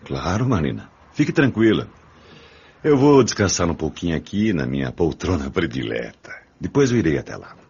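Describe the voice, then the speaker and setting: An actor playing an ailing, anxious middle-aged head of a household in a radio drama, with a Brazilian accent. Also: male voice, sits low, sing-song, moderate pace, creaky, a little mellow, heavily acted. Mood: relaxed, grateful. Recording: dull, reverberant, some noise.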